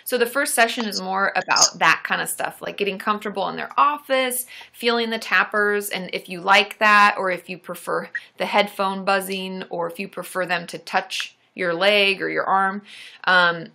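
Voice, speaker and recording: A woman's voice: medium pitch, moderate pace, gravelly, pushed and bright. A young adult woman therapist hosting a casual live-stream Q&A, chatty and reassuring, with many fillers and restarts.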